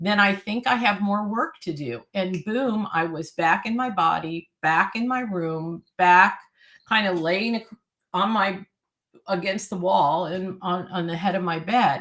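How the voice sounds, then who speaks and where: A woman has a plain, everyday voice with an American accent. She speaks at a medium pitch and a fairly slow pace. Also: ordinary pitch variation. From US Midwest, Illinois. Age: 60s. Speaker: author and spiritual medium. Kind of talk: interview testimony.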